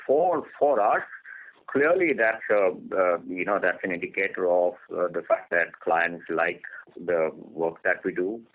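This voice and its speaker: Casting: male finance chief on an investor call, deep voice, methodical delivery, phone-line sound. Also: measured pace. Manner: methodical, point-by-point. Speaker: finance executive. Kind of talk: earnings call answers. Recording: narrow telephone conference line.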